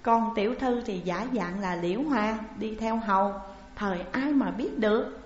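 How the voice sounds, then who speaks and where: A woman voicing a calm, shrewd old wet nurse who talks steadily and reassuringly, in a muffled, echoing recording. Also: medium pitch, measured pace, natural voice. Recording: muffled, roomy with long reverb.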